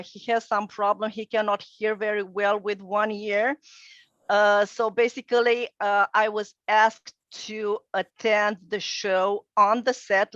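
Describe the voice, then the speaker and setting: A middle-aged woman from northern Romania, a native Romanian speaker, calmly recounting her career as a translator and interpreter, with frequent hesitations. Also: mid-range voice, no echo. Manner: measured, many hesitations. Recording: dull dry video-call audio.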